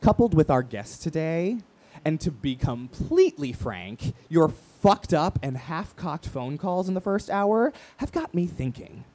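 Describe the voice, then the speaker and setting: An actor playing a brash, wounded, proud gay radio talk show host in an emphatic, profane, theatrical monologue. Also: male voice, fairly high pitch, a little mellow.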